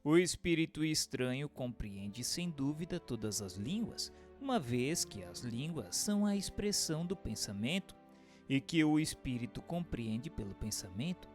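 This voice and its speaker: A man with a Brazilian accent narrates a formal, scripted text over faint music. His mid-range voice moves with lively intonation, and his delivery is didactic and carefully phrased. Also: medium pitch, normal speed. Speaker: narrator and questioner.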